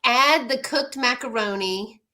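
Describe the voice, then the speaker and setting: A woman's voice: a little high, pushed and bright. A woman with a Texas accent hosting a casual live video chat, reading out viewer comments and chatting with friends. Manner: chatty, lists things off quickly.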